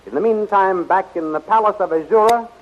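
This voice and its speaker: An actor as the dramatic announcer narrating a 1930s radio adventure serial. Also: male voice, sits high, a little fast, slight background noise, natural voice. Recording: muffled 1930s radio recording.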